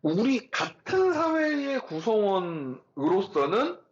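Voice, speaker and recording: A man giving a recorded lecture, talking in an animated, chatty way with rhetorical questions and asides. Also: high-pitched, takes it slowly, muffled recording, noisy background.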